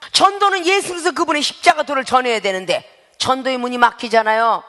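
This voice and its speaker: A woman's voice: high voice, gravelly, fairly bright tone. A woman pastor preaching a sermon with emphasis, often asking the congregation rhetorical questions. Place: church sanctuary. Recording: long church reverb.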